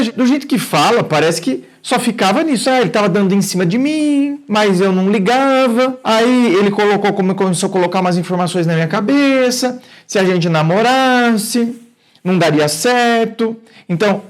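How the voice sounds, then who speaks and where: High-voiced man giving incredulous advice. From Brazil. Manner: incredulous, exclamatory, addresses the audience and the writer directly. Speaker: relationship advice YouTuber reading viewer letters. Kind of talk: casual advice talk reading a letter aloud.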